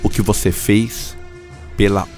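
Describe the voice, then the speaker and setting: A man's voice: lowish voice, fairly even intonation, takes it slowly, darkish tone, faint music behind. A male pastor, preaching a theatrical, chiding sermon.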